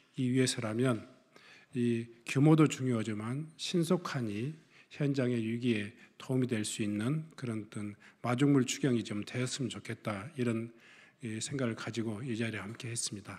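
In an unremarkable speaking voice, a man of medium pitch talks at a moderate pace with ordinary pitch variation against a quiet background. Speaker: politician. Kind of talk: press conference statement. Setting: press conference. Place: hall. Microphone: podium.

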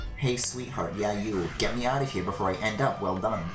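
Over loud background noise, a man does a croaky put-on character voice at a fairly low pitch and a fairly quick pace. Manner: flirtatious, pleading.

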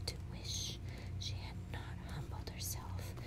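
A woman whispering at a fairly slow pace over noticeable background noise. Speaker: ASMR creator. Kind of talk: audiobook reading. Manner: whispered.

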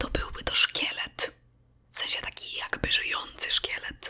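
Whispering at a moderate pace, a woman speaks. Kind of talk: casual talk to camera. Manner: whispered.

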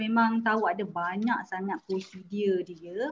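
A woman's somewhat breathy voice rises and falls with ordinary pitch variation. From Malaysia. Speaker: moderator for a government SME agency. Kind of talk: live online panel discussion. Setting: video call. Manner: hesitant, many fillers. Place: office. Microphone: video call.

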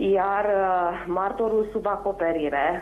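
The woman's medium-pitched voice keeps a fairly even intonation despite noticeable background noise. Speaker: wife of a convicted defendant. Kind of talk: interview.

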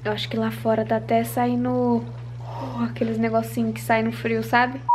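Speaking at a moderate pace in a monotone, flat delivery, a woman with a very deep, low voice comes through over light background noise. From Brazil. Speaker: vlogger. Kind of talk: casual vlog chat. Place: home room. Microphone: phone near.

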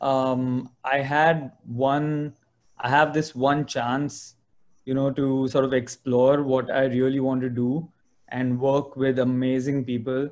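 A man speaks at a very slow pace. His intonation stays monotone and flat. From India (Gujarat). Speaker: documentary filmmaker. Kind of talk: interview. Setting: video call. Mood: calm, reflective. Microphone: video call.

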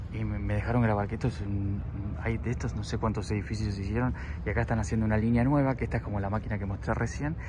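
This man speaks at a very fast pace in a fairly low voice. Noticeable background noise runs underneath. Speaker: travel vlogger. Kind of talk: casual vlog chat. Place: factory. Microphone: phone near.

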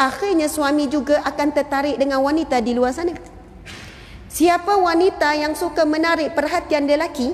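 Her voice is high in pitch for a woman. This woman keeps her intonation fairly even. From Malaysia. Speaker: religious preacher and family counsellor; religious preacher. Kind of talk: religious forum talk. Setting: mosque with audience. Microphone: handheld.

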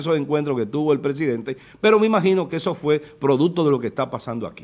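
Speaking with a Dominican accent, a man with a fairly high voice goes at a very fast pace. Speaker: TV news show moderator. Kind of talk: panel discussion on news. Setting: studio.

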